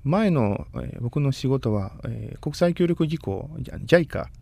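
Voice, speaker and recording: A man in his thirties from Costa Rica, whose first language is Spanish, answers interview questions in a polite, measured way. His voice has a soft, mellow tone, and he often stops to search for the right word. The sound is close and dry, with no room echo. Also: medium pitch, expressive, gravelly. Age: 30s. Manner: polite, measured, pausing often to find words. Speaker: guest. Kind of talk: casual interview.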